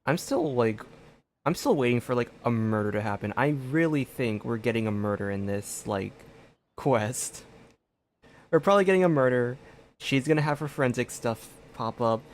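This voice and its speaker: A man's voice: mid-range voice, lively intonation, normal speed. A man giving casual, rambling commentary as he streams a game, full of informal asides.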